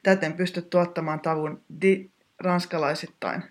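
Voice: medium pitch, steady tone. Precise, technical pronunciation teacher. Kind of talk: scripted pronunciation lesson.

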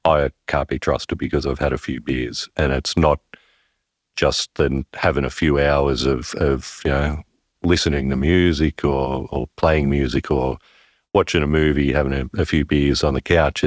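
A man with a very deep, resonant voice reflects on becoming a father. He talks in a halting, thoughtful way, pausing and restarting as he works out what he means. The sound is close and dry. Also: fairly even intonation, dry recording. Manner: thoughtful, halting, searching for words. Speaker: father interviewed about parenthood. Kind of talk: reflective interview conversation.

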